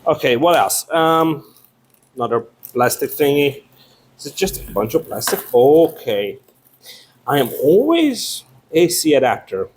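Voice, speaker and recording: A man's voice: a little high, very animated, a little slow, slight background noise. A man chatting casually and unscripted as he unboxes a product, with playful, sweary asides.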